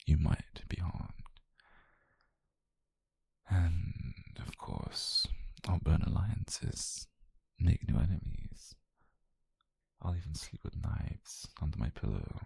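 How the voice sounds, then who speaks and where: A British man playing an obsessive, possessive mafia boyfriend, calm and dangerous, in a slow, controlled, breathy half-whisper for an intimate ASMR roleplay. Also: low voice, no room sound, heavily acted. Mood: quiet menace. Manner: slow, controlled, menacingly tender murmur. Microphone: close microphone, dry.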